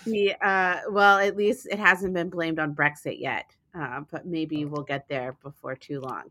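A woman's voice: low voice, fairly even intonation, measured pace, pushed and bright, no echo. A woman moderating a conversational roundtable as its host, putting questions to panellists.

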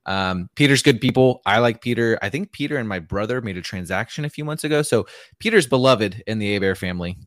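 A man's voice: lowish voice, animated, fast, no echo, clean studio sound. A man co-hosting a casual podcast, talking in a chatty, rambling way with lots of "like", on a handheld microphone. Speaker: podcast co-host.

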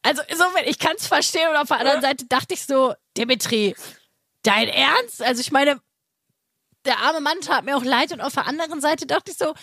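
A young woman from Berlin co-hosting a podcast, telling animated stories in casual chat. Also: high voice, a little fast, no echo. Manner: animated storytelling, quoting people. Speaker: podcast co-host.

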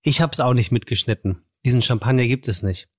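A man's voice: medium pitch, slightly rough, no echo, studio quality. A man co-hosting a podcast, teasing his co-host in casual banter. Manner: teasing, quick.

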